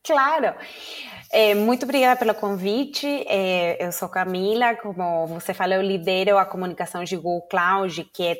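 Argentine lady w spanish accent, guest on a podcast, explains things friendly, mid pitch. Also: fairly even intonation, moderate pace. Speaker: guest, communications executive. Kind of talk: interview answers.

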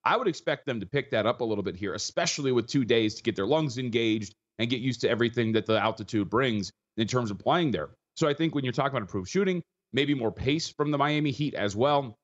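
A husky, tired-sounding man who talks at a rapid clip, piling stat after stat into his analysis. He stumbles and restarts as he goes. The line is dull and lo-fi, as if he is calling in remotely. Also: mid-range voice. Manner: fast, stat-heavy, with frequent restarts. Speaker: betting analyst guest. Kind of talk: rapid sports betting analysis.

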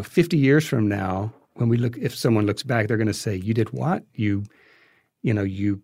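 A man's voice: medium pitch, darkish tone, dry recording, studio quality. A man speaking as an interview guest, reasoning thoughtfully and hesitantly in a conversational way. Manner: hesitant, reflective, hedging as he reasons.

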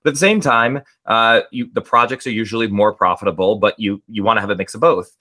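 A man's voice: fairly low pitch, fast talker, bright, forceful tone. A man talking as a guest in an interview about building a brand, explaining earnestly at length. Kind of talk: casual interview answers.

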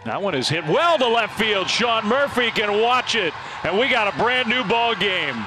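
A high-pitched man calling a live baseball game play by play. His voice lifts sharply as the big plays unfold. The clip carries a steady wash of background noise. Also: moderate pace. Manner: rising excitement on big plays. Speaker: radio play-by-play announcer. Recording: noisy broadcast clip.

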